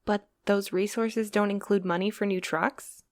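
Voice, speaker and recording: A woman's voice: medium pitch, steady tone, normal speed, no room sound, studio quality, close to an everyday voice. A woman playing a wry, put-upon mail courier in an audio drama, conversational and a little sardonic. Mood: wry, exasperated.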